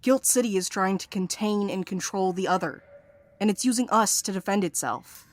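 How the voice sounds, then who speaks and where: A woman's voice: medium pitch, moderate pace, natural voice. A woman playing a bitter, fatalistic courier in an audio drama, speaking bluntly and skeptically. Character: fatalistic, bitter courier who expects doom.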